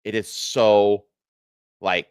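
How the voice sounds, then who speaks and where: A man with a fairly low voice, recorded dry and close to the ear. He rants casually like a livestream host, swearing often and repeating himself for emphasis. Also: level tone, very slow, clean tone, no echo. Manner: profane, emphatic, repetitive. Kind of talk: casual ranting chat.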